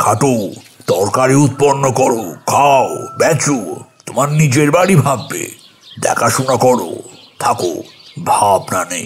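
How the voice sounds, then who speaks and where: Using a put-on character voice, a man talks at a fairly slow pace with lively intonation and a medium pitch. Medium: audio drama. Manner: testy, insistent.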